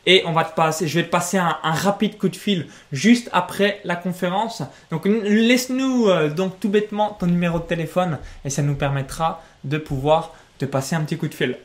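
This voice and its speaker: Male webinar co-host; salesy, upbeat pitch; reads comments aloud. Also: normal speed, few pauses. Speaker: co-host reading chat and selling coaching.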